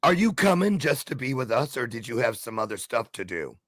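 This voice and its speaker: A man hosting a live online show, talking in a playful, upbeat way. His voice is mid-pitched and sounds dry and close, with no room around it. He jokes and keeps the chat moving like a showman. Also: big pitch swings, a little fast, fairly bright tone, no room sound. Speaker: talk show host.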